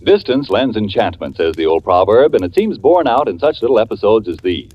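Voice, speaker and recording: A man's voice: lowish voice, sing-song, brisk. A man reading a 1940s radio wine commercial in a polished announcer style. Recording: dull old radio broadcast.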